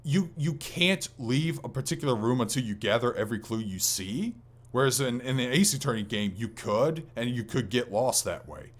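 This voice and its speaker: A man's voice: medium pitch, expressive, normal speed. A man co-hosting a casual gaming podcast, speaking in an informal, rambling, enthusiastic way. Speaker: podcast co-host.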